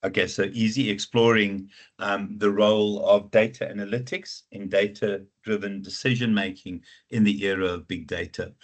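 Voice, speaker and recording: A man's voice: fairly low pitch, steady tone, normal speed, hardly any pauses. A man with a South African Afrikaans accent, advising students as a lecturer in an informal, teasing way, thinking aloud as he goes. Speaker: university lecturer advising students on research proposals. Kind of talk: informal online teaching consultation.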